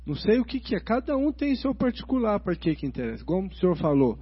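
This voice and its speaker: A man with a husky, slightly high voice talks casually about faith. He tells stories from his own life with quick asides and restarts. The recording sounds dull and lo-fi. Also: very animated.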